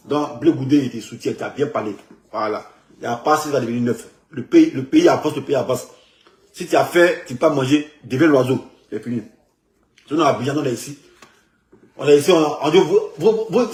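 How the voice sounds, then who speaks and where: A man with an Ivorian French accent speaks quickly in a slightly raised voice. He loops back over his own phrases and keeps the talk animated and rambling. His voice comes through an echoey room. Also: on the high side. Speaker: man in a circulated video clip. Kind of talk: rambling street commentary.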